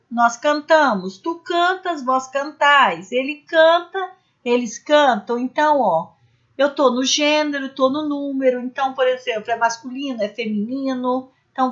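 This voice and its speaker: A woman with a fairly high voice leads an exam-prep grammar lesson. She explains each rule step by step, gives spoken examples, and keeps checking in with her viewers. The recording sounds dull and lo-fi. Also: a bit bright. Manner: addresses viewers as "gente" with frequent "né?" tags. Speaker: Portuguese language teacher.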